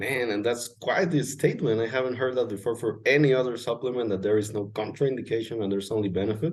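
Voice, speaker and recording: At a very fast pace and with hardly any pauses, a man with a Spanish accent speaks at a medium pitch. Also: ordinary pitch variation. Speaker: podcast host, nutritionist. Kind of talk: casual interview.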